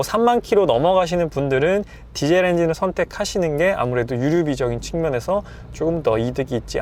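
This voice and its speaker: Male car reviewer, fairly high voice, slightly hoarse throat, measured polite explanations, recorded inside a moving car with clear road noise. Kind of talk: car review commentary while driving. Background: car driving noise.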